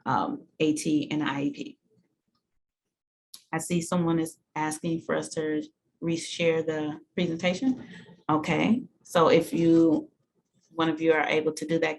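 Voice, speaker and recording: A woman presents a webinar to educators with a low voice. She talks haltingly, with frequent ums between phrases. A faint hiss runs behind her.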